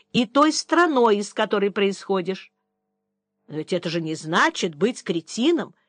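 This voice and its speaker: A woman's voice: on the high side, no room sound. A woman reading an audiobook voices a young English man, a war veteran, in a dry, mocking, slightly disdainful manner.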